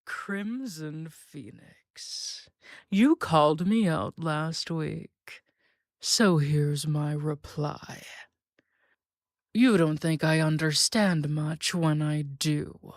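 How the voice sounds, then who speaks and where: A performer playing a composed, defiant wrestling contender, delivering a deliberate, confrontational scripted promo with rhetorical questions. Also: mid-range voice, dry recording, clean studio sound.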